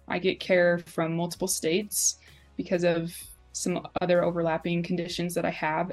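Flat-toned earnest young woman. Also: lowish voice. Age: 20s. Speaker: patient advocate. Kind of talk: testimonial interview.

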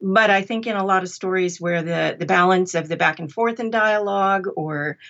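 A woman's voice: fairly low pitch, normal speed, gravelly, a bit bright, muffled recording. A middle-aged woman speaking conversationally as an interview guest about her work. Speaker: interview guest, audiobook narrator.

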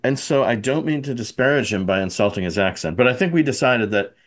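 A man's voice: medium pitch, expressive, fast talker. A man hosting a podcast in casual chat, talking hesitantly with many fillers. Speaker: podcast host.

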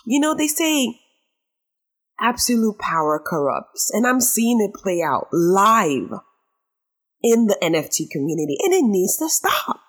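A woman with a raspy, hoarse voice hosting a talk show monologue, giving her opinions emphatically and repeating phrases for effect. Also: mid-range voice, expressive, a little slow, long pauses. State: hoarse after a late night.

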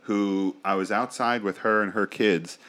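A man with a very deep, low voice co-hosts a casual podcast. He tells stories crudely and with animation, swearing freely. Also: steady tone, measured pace, a bit bright. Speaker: podcast co-host.

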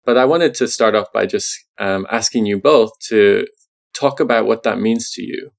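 A man hosting an academic interview, posing a question in a measured way with fillers. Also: lowish voice, gravelly. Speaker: interview host. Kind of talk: academic conversation.

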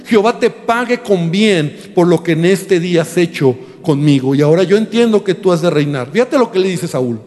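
A man's voice: sits high, animated, moderate pace, hardly any pauses, darkish tone, long reverb tail. A man preaching a sermon, reading scripture aloud and explaining it with frequent rhetorical questions.

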